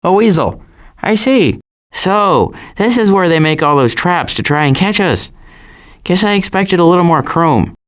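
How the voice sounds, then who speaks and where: An actor voicing a cautious, worrying turtle in an animated video game, with a dry, hesitant and wry delivery. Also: male voice, high voice, unhurried. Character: cautious, worrying male cartoon turtle, dryly sarcastic.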